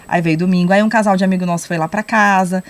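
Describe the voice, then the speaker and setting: A young adult woman telling a personal faith testimony on a podcast, lively and acting out the lines she quotes. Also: lowish voice, fast talker. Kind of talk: casual testimony storytelling.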